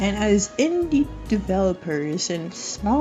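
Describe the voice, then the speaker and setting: A soft-spoken woman talks at a medium pitch, her voice swinging very widely up and down. Music plays in the background. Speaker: gaming commentary YouTuber. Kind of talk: casual commentary rant to camera. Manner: shy, soft-spoken.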